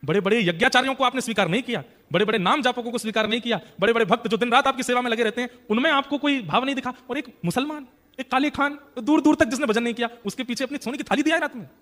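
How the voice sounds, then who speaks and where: A man voicing a reverent, tearful old temple priest who speaks softly and with a choked voice. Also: very high voice, very fast, voice pushed up.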